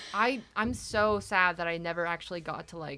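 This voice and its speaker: With an American accent, a woman talks at a moderate pace in a fairly low pitch, her tone bright and sharp and her intonation fairly even. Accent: American-sounding English, often asked about. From South Korea. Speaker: podcast host and musician. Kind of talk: casual chat.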